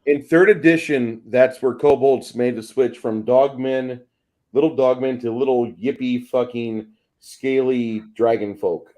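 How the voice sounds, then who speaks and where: A man's voice: mid-range voice, fairly even intonation, measured pace, darkish tone. A middle-aged man chatting casually and telling rambling, sweary anecdotes as a co-host of a gaming show. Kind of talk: casual chat.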